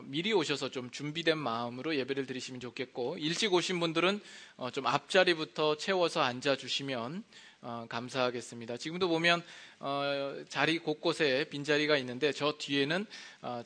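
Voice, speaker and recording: A male pastor giving a conversational sermon in a church, often pausing with hesitation fillers between phrases. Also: medium pitch, a bit bright. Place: church sanctuary.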